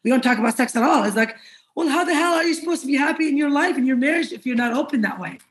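A woman's voice: sits high, lively intonation, racing. Chatty woman podcast co-host. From Iraq. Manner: chatty, open, laughs easily. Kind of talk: casual podcast interview.

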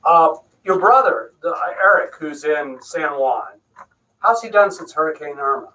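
Bright-toned male co-host asking questions. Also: on the high side, lively intonation, normal speed, recorded from a distance, a little hiss or hum, low-quality recording. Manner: inquisitive, explains terms for listeners. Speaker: co-host, doctor. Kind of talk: interview questions.

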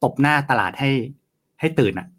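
A man appearing as a guest market commentator on a casual live finance talk show, chatty and rambling, with many fillers. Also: normal speed.

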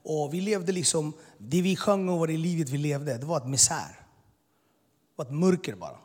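Husky man telling his story in a hall. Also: fairly high pitch, lively intonation, a little mellow. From immigrated to Sweden as a boy. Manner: earnest, intense storytelling with filler words. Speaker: speaker giving his testimony. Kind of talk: personal testimony talk. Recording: long hall reverb.

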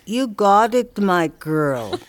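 An actress playing a grounded older Indigenous woman who speaks slowly and calmly with gentle teasing in an audio drama. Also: medium pitch. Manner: slow, steady, gently teasing. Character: warm elder Indigenous woman, grounded and wry.

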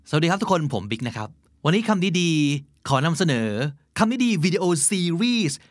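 A man hosting a vocabulary lesson podcast, asking quiz questions in a chatty way and repeating each English word slowly and clearly. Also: high voice, very animated. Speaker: host.

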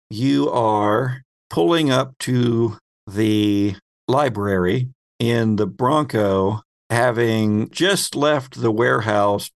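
Man narrating as game master, conversational. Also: mid-range voice.

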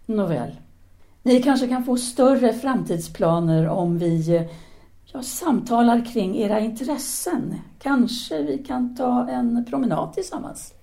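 A woman's voice: fairly high pitch, dark tone, lightly acted. A woman acting in an audio drama as a self-assured female philosophy teacher in 1930s Paris, speaking in an articulate, formal, didactic way. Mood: poised, curious.

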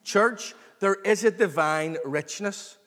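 A man preaching an expository sermon to a congregation, earnest, excited and emphatic, repeating phrases and calling for response. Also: high voice, slow. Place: large reverberant room, live before a congregation. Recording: long hall reverb.

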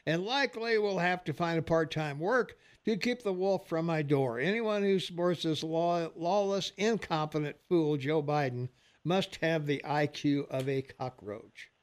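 Older radio co-host, retired man in his sixties, fairly high voice, halting delivery full of uhs. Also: clean tone. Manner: halting, many uhs, reads listener texts aloud. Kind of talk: casual talk radio banter.

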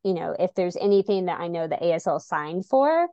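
A woman guest talking casually and chattily, with frequent "like" and "you know". Her voice sits a little low, and the recording is dry and close. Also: lively intonation, brisk, dark tone, no echo, lo-fi sound. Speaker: guest parent. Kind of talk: casual conversation.

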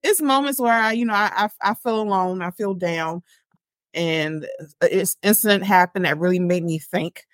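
A Baltimore, Maryland woman in her forties talks candidly about her faith as a guest in a casual interview, joking and laughing easily. Her voice is on the low side and her pace moderate, recorded dry at studio quality.

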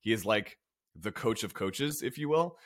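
A man co-hosting a podcast with a hoarse voice, friendly as he reads a guest introduction. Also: on the low side, expressive, moderate pace, fairly bright tone. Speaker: podcast co-host. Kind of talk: casual podcast chat.

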